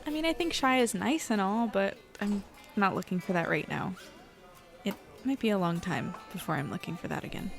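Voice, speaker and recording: An actress playing an earnest, slightly uncertain newspaper reporter, talking in a natural, conversational way. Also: female voice, mid-range voice, brisk, gravelly, soft background music, natural voice. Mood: casual, guarded. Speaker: young reporter. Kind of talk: naturalistic audio drama acting.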